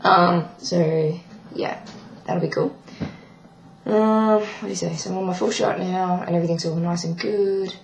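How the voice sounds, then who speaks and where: A young trans man with a croaky, breaking voice, giving a rambling video diary update with many ums. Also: high voice, steady tone, unhurried, roomy sound, a little hiss or hum, rough recording. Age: young adult. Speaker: vlogger. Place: small bedroom indoors. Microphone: webcam at desk.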